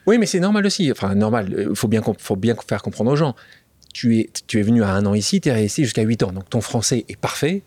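A man hosting an interview, asking brisk, prompting questions in a conversational tone. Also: fairly low pitch, lively intonation, darkish tone, slightly rough, no room sound. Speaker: host.

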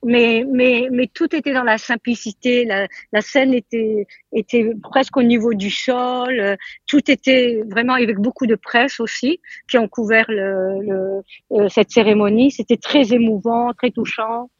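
A woman speaks over a phone line that keeps breaking up, her voice dulled and a little husky. She talks haltingly, often repeating words. She has just left a funeral and is giving a live news interview. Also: on the high side, steady tone, no room sound. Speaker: peace activist, interview guest. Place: at a funeral just after the ceremony.

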